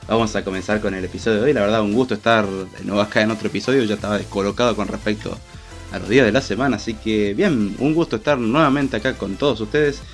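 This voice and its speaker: A man with a Rioplatense Spanish accent and a congested, head-cold voice, hosting a casual live podcast in a jokey, informal way. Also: on the low side. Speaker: podcast host.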